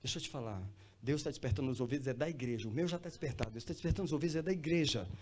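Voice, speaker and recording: A pastor preaching in church, swinging from quiet talk to loud, high cries and calling listeners brother. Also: male voice, racing, husky. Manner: addresses listeners as brother, repeats phrases for emphasis. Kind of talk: sermon.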